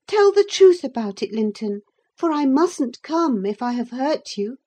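A woman's voice: high voice, big pitch swings, measured pace, mellow, voice pushed up, full character voice. A woman voicing a headstrong, coaxing teenage girl in an audiobook reading, speaking eagerly and emphatically. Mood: pleading.

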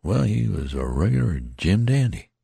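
A wounded rustic soldier, as a male reader puts him on, musing in a folksy, homespun drawl. The voice is lifted from a very deep, gravelly base and stays slightly husky. It sounds close and dry. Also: very animated, normal speed, dark tone, no room sound, full character voice.

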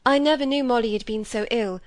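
A woman voicing a composed, tactful young woman who answers in cool, measured replies. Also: fairly high pitch, dry recording, studio quality, close to an everyday voice.

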